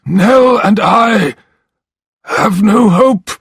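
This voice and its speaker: A man reading a story aloud and voicing a desperate old grandfather who cries out and pleads, in a raspy voice. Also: high-pitched, very slow, no room sound, clean studio sound, voice pushed up, full character voice. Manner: pleading, crying out.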